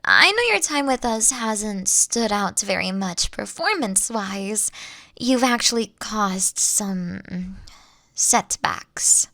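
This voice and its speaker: A woman playing a caring, affectionate boss in an intimate audio roleplay, coaxing and gently teasing, at times dropping to a near-whisper. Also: mid-range voice, animated, slow, no room sound, studio quality, exaggerated voice. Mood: fond, patiently exasperated. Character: caring, doting older female boss courting her sweet employee.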